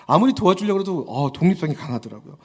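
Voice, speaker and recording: A man's voice: fairly high pitch, animated, fast, big-room sound. A man in his thirties preaching a Sunday sermon, building to fervent exhortation and acting out little quotes.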